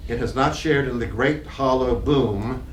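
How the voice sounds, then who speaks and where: A man reading stage directions aloud as narrator at a live play reading, in a measured, literary way. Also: medium pitch. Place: library reading room. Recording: echoey room, distant mic, faint noise.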